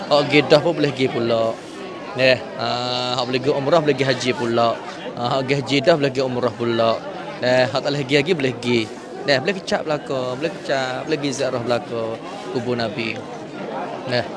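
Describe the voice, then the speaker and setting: A man with a southern Thai Malay accent talks as a live vlogger in a casual, repetitive way. His pitch is average for a man. Clear crowd chatter from a busy airport hall surrounds his voice. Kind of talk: casual live commentary with devotional phrases. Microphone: handheld phone.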